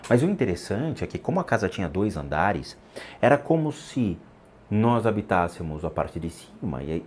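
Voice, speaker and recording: A man in his forties telling a personal story in an unhurried, reflective way, with pauses and restarts. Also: deep voice, slight background noise. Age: 40s. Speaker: vlogger. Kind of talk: storytelling vlog about a haunted childhood house.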